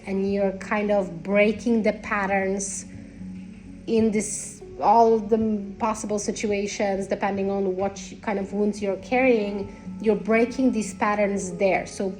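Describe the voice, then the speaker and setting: Woman, nasal and congested, medium pitch, slow halting delivery, unscripted spiritual talk, faint background music. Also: a little mellow, rough recording. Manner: halting, rambling, repeats phrases. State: congested with a cold. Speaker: spiritual content creator.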